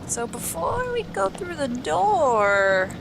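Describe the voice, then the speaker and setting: A woman's voice: high-pitched, sing-song, slow, vocal fry, background noise. A woman hosting a video game let's play, talking casually and joking about herself. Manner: chatty, self-mocking and joking. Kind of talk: casual gameplay commentary.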